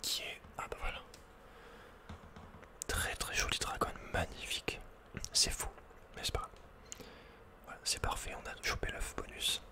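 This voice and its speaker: A man speaks entirely in a soft, breathy whisper. He hosts an ASMR gaming session, murmuring casual running reactions and slangy asides as he plays. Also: a little slow, pauses often. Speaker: ASMR gaming video host. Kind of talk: whispered ASMR game commentary.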